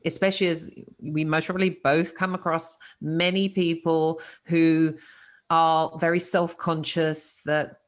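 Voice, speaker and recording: A woman's voice: low voice, flat delivery, unhurried. A woman hosting a casual interview. She sounds encouraging and laughs easily with her guest, and she asks long, rambling questions. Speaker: interview host.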